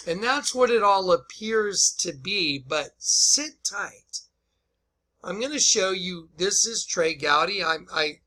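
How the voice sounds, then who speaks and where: A man's fairly high voice with a very bright, hard-edged sound. He talks informally as a video commentator, emphatic and incredulous, often repeating himself to drive things home. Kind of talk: informal opinion commentary over played clips.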